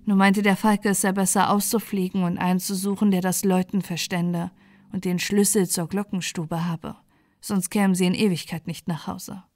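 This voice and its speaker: Gentle woman reading a bedtime fairy tale. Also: mid-range voice, level tone, normal speed, dry recording. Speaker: storyteller. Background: faint music.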